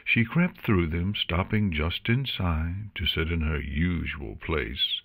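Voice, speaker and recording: A man reading fantasy fiction as an audiobook narrator in an expressive, scripted storytelling style. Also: low voice, slow pace, gravelly.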